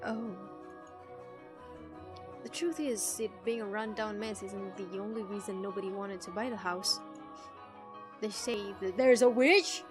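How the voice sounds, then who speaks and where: A woman streamer reading a visual novel aloud and reacting in an animated, teasing way, swearing freely. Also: medium pitch, unhurried, long pauses. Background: music.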